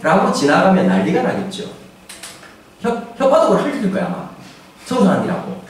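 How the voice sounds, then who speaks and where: A pastor in his forties giving a humorous, animated sermon, now and then acting out voices and shouting for effect. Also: sits high, normal speed, slight background noise. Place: church sanctuary. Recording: echoey church hall, distant mic, faint ambience.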